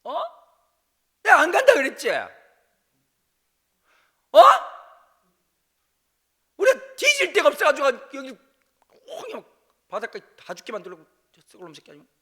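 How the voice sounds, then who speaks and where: Man shouting as cursing angry Israelites. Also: quick pace. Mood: furious. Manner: shouting, cursing, very high and loud. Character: furious grumbling Israelites cursing at Moses.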